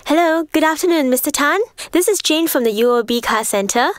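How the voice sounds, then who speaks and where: Polite female phone agent for a radio spot, higher voice played by an actress. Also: lively intonation, brisk, no room sound, clean studio sound. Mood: polite, brisk. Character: polite young female bank call-center agent.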